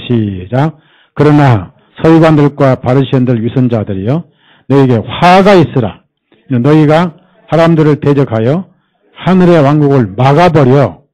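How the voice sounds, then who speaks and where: A man's voice: on the high side, low-quality recording. Male pastor giving a sermon at church, voice swoops up and down a lot, keeps asking the crowd questions. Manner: animated, quizzes the congregation with rhetorical questions; mimics people and jokes to make points. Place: church service.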